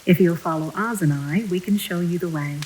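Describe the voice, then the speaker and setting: An actress as a composed, low-voiced female manor attendant. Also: a little fast, darkish tone, slight background noise, natural voice, low-quality recording. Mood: composed, polite. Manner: polite, composed, formal. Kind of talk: audio drama acting.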